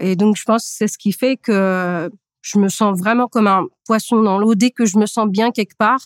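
A woman with an ordinary speaking voice at medium pitch and a fairly slow pace, very even loudness and fairly even intonation, with a dry, close sound, no echo, and a very clean recording with a silent background. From Tunisia. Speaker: singer. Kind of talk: interview.

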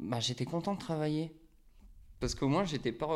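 A man's voice shows ordinary pitch variation in a very clean recording against a silent background. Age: 30s. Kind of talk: interview. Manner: hesitant, many fillers.

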